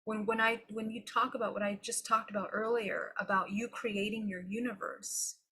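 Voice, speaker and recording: A woman's voice: medium pitch, flat delivery, moderate pace, bright, forceful tone, slight background noise. A woman giving an unscripted, live-streamed spiritual teaching to viewers. She speaks in an earnest, reflective way and often checks in with "okay?". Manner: loose and unscripted, with restarts.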